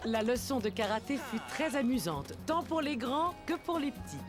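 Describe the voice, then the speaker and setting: A woman playing a gentle storybook narrator, reading scripted narration for a children's cartoon. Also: a little high, sing-song, moderate pace, over music.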